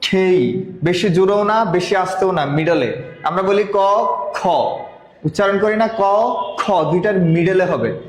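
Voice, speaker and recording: Slow, high-voiced teacher. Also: male voice, roomy sound, poor audio. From Bangladesh. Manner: slow, drilling letters by repetition. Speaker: English instructor. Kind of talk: online language class.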